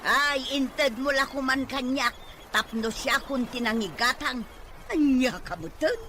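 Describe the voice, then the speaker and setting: A woman's voice: high voice, measured pace, bright, forceful tone, a little hiss or hum. An actress with an Ilocano accent playing an irresponsible, defiant mother in an audio drama. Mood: demanding. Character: irresponsible, defiant mother fond of drink and gambling. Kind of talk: Ilocano radio-style drama acting.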